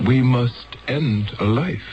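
A man acting a slow, solemn futuristic elder. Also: mid-range voice, close to an everyday voice. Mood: grave, regretful. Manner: solemn, deliberate, paternal. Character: grave male elder of a serene future world. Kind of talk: 1970s radio drama acting. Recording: dull 1970s radio drama recording.

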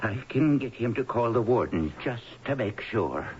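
An actor playing a worried older father in a radio drama, fretful, halting and consoling. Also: medium pitch, animated, close to an everyday voice. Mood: startled. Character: worried, soothing, flustered father of grown daughter. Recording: hissy, dull vintage radio broadcast.

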